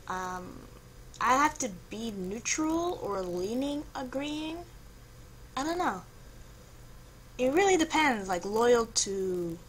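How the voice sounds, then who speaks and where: Young female vlogger, slightly high voice, noncommittal think-aloud delivery, home recording with a little noise behind. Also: fairly bright tone, low-quality recording. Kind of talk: casual chat, thinking aloud through a personality quiz.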